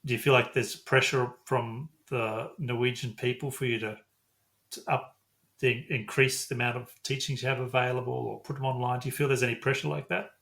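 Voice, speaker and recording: A man's voice: mid-range voice, level tone, a little fast, creaky, fairly bright tone. A man hosting a podcast interview, conversational and affirming, laughing readily. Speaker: podcast host. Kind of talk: casual interview chat.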